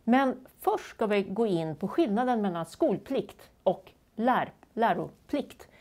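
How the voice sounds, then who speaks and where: Swedish woman hosting an interview, measured pace, pitch moves a lot, lapel mic. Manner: measured, lively intonation. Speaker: host. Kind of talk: studio interview. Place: small studio.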